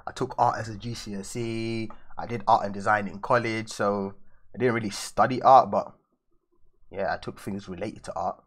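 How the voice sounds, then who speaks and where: Casting: easygoing young London guy, slightly low voice, loose streamer chatter at a desk. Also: steady tone, moderate pace. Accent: London English. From raised in London, England. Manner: loose and chatty, answering viewers. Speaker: artist streaming live. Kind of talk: casual live-stream chat while drawing. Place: indoors at a drawing desk.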